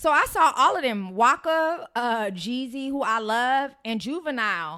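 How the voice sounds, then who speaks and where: A woman with a Southern US accent speaks fairly slowly at a high pitch, with very wide pitch swings and a bright, sharp tone. The recording is very clean, the background silent. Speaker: podcast co-host. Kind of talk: casual chat.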